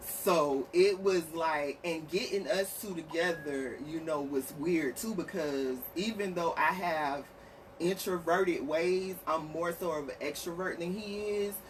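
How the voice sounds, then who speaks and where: Through noticeable background noise, a woman with a fairly low pitch speaks at a fairly slow pace in an animated tone with ordinary pitch variation. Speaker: life coach, live stream host. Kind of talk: casual livestream chat. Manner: loud.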